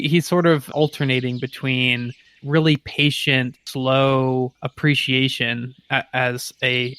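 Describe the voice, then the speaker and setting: Male tabletop player, mid-range voice, casual and thoughtful, piecing a character description together haltingly. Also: mid-range voice, a bit bright. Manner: thoughtful, halting, rephrasing as he goes. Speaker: player in a tabletop role-playing game.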